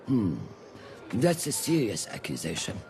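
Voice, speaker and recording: A proud veteran enforcer from an animated series. His voice sits very low with a gravelly edge and swings widely in pitch, and music plays behind him. He speaks in a measured, gently probing way. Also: full character voice. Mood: composed. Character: veteran male city enforcer, proud and steady.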